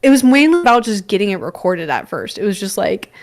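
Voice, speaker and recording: A woman with a mid-pitched voice talks as a guest on a livestream. Her chat is casual and full of slang, with an encouraging manner. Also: big pitch swings, fast. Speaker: livestream guest and content creator.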